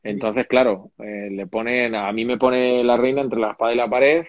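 A man's voice: mid-range voice, moderate pace, no echo, lo-fi sound. A man in his thirties from Madrid with a Castilian Spanish accent, an actor chatting animatedly as an interview guest over a video call. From Madrid, Spain. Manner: animated, chatty, with many restarts. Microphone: video call, laptop or phone mic.

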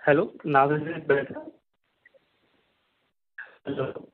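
A man calling in over a faint, breaking phone line to ask questions on an earnings call, halting and full of fillers. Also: on the high side, flat delivery, slight background noise. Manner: halting, repeats hello, many fillers. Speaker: analyst caller. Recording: tinny dry phone line.

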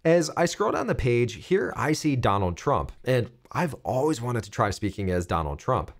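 An American man in his thirties giving clear, step-by-step instructional narration for a software tutorial. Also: medium pitch, sing-song, normal speed. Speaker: tutorial presenter.

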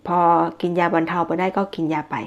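A woman's voice: fairly quick, muffled recording. A woman giving a casual, chatty monthly tarot horoscope reading, often repeating herself and using fillers. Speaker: tarot reader.

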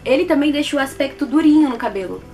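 Brazilian girl in her 20s doing a chatty vlog, high voice, repeats stuff for emphasis, faint music behind. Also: fast talker. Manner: expressive, repeats words for emphasis. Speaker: beauty vlogger reviewing products. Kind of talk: casual chat to camera. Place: small plain indoor room.

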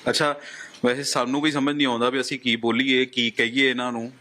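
Bright-voiced male field reporter. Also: mid-range voice, level tone, a little fast. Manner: consoling, speaks in short broken phrases. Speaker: news reporter.

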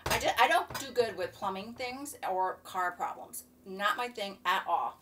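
A woman's voice: medium pitch, a little slow. Chatty woman venting from her kitchen. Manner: rambling, chatty complaining. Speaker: vlogger. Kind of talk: casual chat to camera. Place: home kitchen, indoors. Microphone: laptop webcam from a few feet away. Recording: distant laptop mic, faint room noise.

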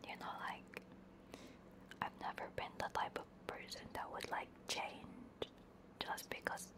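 Slow, hushed woman whispering ASMR. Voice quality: breathy whisper. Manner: slow, halting, casual. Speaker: VTuber streamer. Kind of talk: ASMR livestream chat. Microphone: close binaural ASMR microphone.

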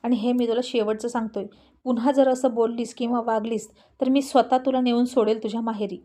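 A woman's voice: fairly high pitch, level tone, moderate pace, warm tone, close to an everyday voice. A woman voicing a curt, stern male police officer in a spoken story, with terse, clipped lines.

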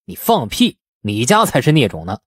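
A man voicing a hot-tempered village man, loud, indignant and combative, in an audiobook. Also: mid-range voice, huge pitch swings, normal speed, slightly rough, no room sound, studio quality, heavily acted. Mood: angry, threatening. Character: hot-tempered village man quick to curse his elder. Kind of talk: audiobook character acting.

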